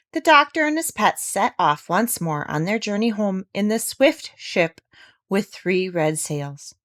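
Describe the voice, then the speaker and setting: A woman reading a children's story aloud as expressive scripted narration. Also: medium pitch, no echo, studio quality. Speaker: audiobook reader.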